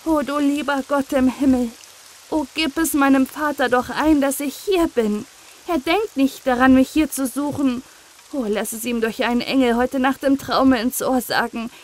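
A woman's voice: high voice, normal speed, voice pushed up, natural voice. A woman voicing a frightened, pious young boy who pleads in tearful prayer, in an audiobook reading. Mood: praying.

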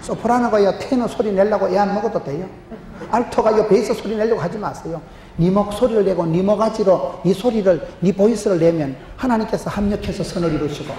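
A middle-aged man with a strong Gyeongsang dialect, preaching an animated, humorous sermon, often dropping low for punchlines. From Gyeongsangbuk-do, Korea. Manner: emphatic, humorous, gestures a lot, drops to low punchlines. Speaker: pastor. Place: large church stage with chalkboard. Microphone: handheld microphone. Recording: roomy hall reverb, faint noise.

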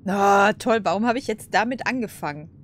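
A woman's voice: medium pitch, fairly quick, a little hiss or hum. A woman casually commenting over a game, chatty, laughing and cursing at setbacks. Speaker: let's play host.

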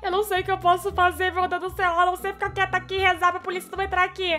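A young Brazilian woman with a Brazilian Portuguese accent, narrating a stealth game in excitable, panicky running commentary to herself. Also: extremely high pitch, very fast, soft background music. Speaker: gaming YouTuber. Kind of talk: let's-play commentary.

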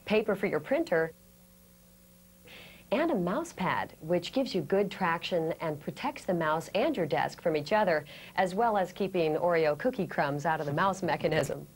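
American woman, 30s, instructional video presenter, lower register, slightly husky, methodical delivery. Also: expressive, moderate pace. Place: indoor studio set.

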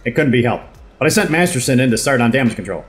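An actor playing a cynical, foul-mouthed, self-important corporate boss in an audio drama, sarcastic and blustering. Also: male voice, mid-range voice, lively intonation, quick pace, breathy edge. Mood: flustered. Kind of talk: audio drama monologue and phone dialogue.

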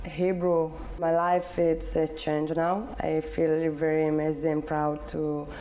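A young woman in her twenties, originally from Ethiopia, answers questions in careful, halting English full of pauses and fillers. Her voice sits low and flat, slow and mellow. She speaks into a lapel mic in a living room, with a faint room hum behind her. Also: poor audio. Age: 20s. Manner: halting non-native English with many fillers. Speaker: interviewee. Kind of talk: interview answers.

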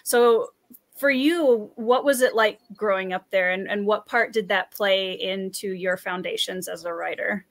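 A woman's voice: medium pitch, measured pace. A young woman hosting a casual livestream interview in an enthusiastic, chatty way on a headset. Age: young adult. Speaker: interview host. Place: room with bookshelves, indoors, video call.

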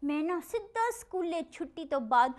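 A very high, piercing voice of a bossy, theatrical schoolteacher, as a woman puts her on for a comic call-in show. She wails and scolds with big dramatic swings, fussy and self-important. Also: sing-song, normal speed. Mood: scolding. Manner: shrill, dramatic wailing and scolding. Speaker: call-in show host in character.

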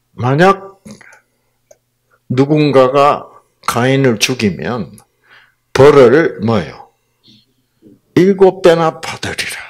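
A man delivers a Bible lecture at an unhurried pace, turning again and again to his listeners with rhetorical questions. His pitch swings widely as he acts out quoted lines in sudden loud bursts. His voice is slightly husky. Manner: peppers talk with rhetorical questions to the audience.

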